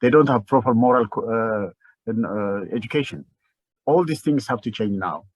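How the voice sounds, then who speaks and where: An older Ethiopian man with an Ethiopian accent speaks in a fairly low pitch, giving impassioned interview commentary. His delivery is halting, repetitive and emphatic, and there is no echo.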